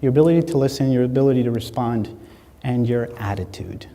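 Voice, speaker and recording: A man, giving a keynote speech and acting out stories with lively dialogue. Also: mid-range voice, fast talker, in a large hall. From Latin America, Spanish-speaking. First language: Spanish. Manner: animated storyteller acting out dialogue. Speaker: motivational speaker. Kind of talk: keynote speech to a live audience. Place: large hall.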